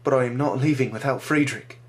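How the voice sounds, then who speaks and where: A man's voice: medium pitch, brisk, lightly acted. A man voicing a grief-stricken young man whose cries are raw and pleading. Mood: bitter.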